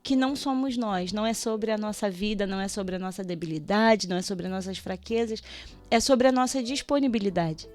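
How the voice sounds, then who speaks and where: A woman speaking as a guest on a Christian radio show, telling a personal testimony with animated storytelling, acting out prayers and conversations and laughing often. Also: medium pitch, brisk. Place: radio studio.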